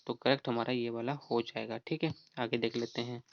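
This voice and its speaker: Guy explaining grammar rules, even flat delivery, kinda muffled dry sound. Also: medium pitch, creaky, dry recording. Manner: explanatory, repeats "theek hai?" often, reads rules slowly. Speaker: teacher. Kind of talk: exam-prep grammar lesson.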